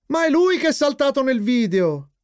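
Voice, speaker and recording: A man doing a high whiny little boy. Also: very animated, moderate pace. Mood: pleading. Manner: high, pleading, wailing. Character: small frightened boy, whiny, tearful.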